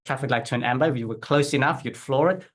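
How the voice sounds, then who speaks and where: A South African business owner in his forties tells his story as an interview guest, relaxed and conversational, restarting sentences and using fillers. His voice is mid-range and quick, with slight background noise.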